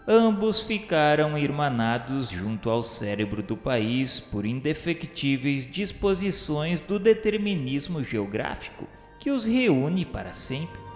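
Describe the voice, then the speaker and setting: A man with a Brazilian accent reading scripted, literary radio narration in a solemn, grandiloquent, formal manner. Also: mid-range voice. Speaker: narrator of a religious radio novela. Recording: echoey hall-like reverb, music underneath. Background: music.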